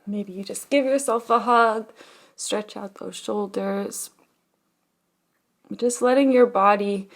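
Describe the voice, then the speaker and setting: A woman with a medium-pitched voice guides a meditation. She speaks gently and soothingly, like a teacher in no rush, leaving long pauses between her phrases.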